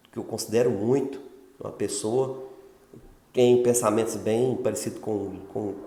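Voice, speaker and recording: A man's voice: lowish voice, gravelly, darkish tone. A man giving an informal religious teaching talk, speaking conversationally and often checking in with the listener. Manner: conversational, frequent filler tags like "né" and "ok". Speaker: religious channel host. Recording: roomy echo.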